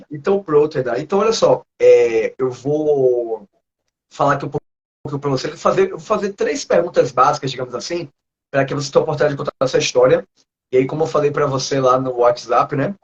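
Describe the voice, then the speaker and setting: A man interviewing his student by video call speaks in a relaxed, chatty way with a Northeastern Brazilian accent, often breaking into laughter. His voice is a little high and fairly quick, and the recording is muffled.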